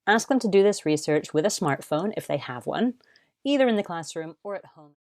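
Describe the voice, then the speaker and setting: A woman reading scripted educational narration in a measured, instructional way. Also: lowish voice, animated, darkish tone, no room sound, clean studio sound. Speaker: voiceover artist and presenter.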